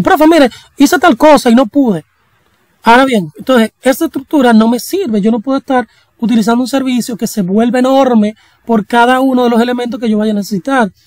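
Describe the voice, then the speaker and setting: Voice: mid-range voice, a little mellow, no echo, rough recording. A young adult programming instructor, talking through a coding tutorial in a casual, chatty way with slang and joking asides. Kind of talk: screen-recorded coding tutorial.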